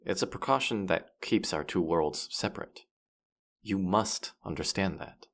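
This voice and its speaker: Casting: man to play boastful, teasing male demon guide for fantasy audio drama; low, creaky voice, patronising air. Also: measured pace, fairly bright tone, heavily acted. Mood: incredulous, firm. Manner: condescending, playful, exasperated. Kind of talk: roleplay audio drama, addressing the listener.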